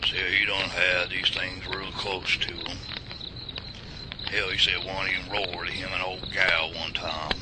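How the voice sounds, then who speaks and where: A man's voice: little pitch movement, measured pace. A man playing a folksy old-timer, talking outdoors at night. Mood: plain talk. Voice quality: drawling, colloquial, deep. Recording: loud cricket night noise.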